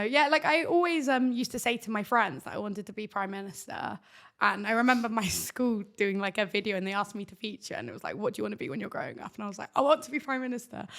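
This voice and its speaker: A young woman with a loud voice, chatting enthusiastically as a podcast guest, full of "like" fillers. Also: mid-range voice, gravelly. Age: young adult. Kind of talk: casual interview chat.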